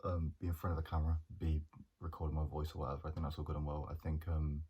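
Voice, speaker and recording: Very deep monotone young man. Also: fast, husky. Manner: hesitant, many ums and restarts. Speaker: journalism student. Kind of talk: casual reflective monologue.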